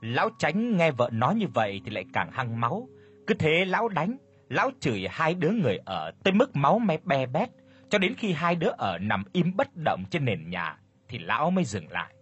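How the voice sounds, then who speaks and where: A man narrating a ghost story in a dramatic, expressive storytelling manner. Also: on the high side, fairly quick, slightly rough, highs cut off.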